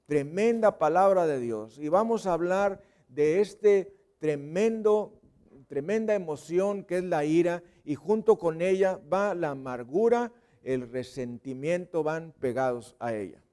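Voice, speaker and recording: High-voiced, unhurried Mexican preacher. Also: male voice, lively intonation. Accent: Mexican Spanish. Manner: playful, acts out sounds and voices with sudden loud and whispered bits. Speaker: pastor. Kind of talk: sermon. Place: church service.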